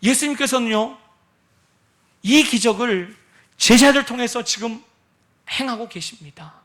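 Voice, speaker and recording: A man's voice: extremely high pitch, measured pace, fairly bright tone. A man preaching a sermon as a pastor, acting out prayers and the words of Jesus with dramatic swings, sometimes dropping to a near whisper.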